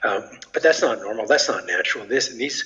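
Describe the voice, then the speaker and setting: Background noise is noticeable here. The speaker is a man. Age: 70s. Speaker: grounding researcher and entrepreneur. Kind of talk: interview. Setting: podcast interview. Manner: halting, repeated words.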